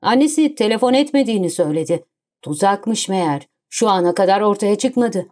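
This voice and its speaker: A woman's voice: mid-range voice, animated, brisk, a little mellow. Woman narrating an audiobook.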